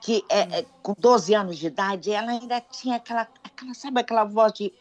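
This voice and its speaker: A woman's voice: mid-range voice, brisk. A woman co-hosting a radio show, telling stories about a singer with enthusiasm. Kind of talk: casual radio chat.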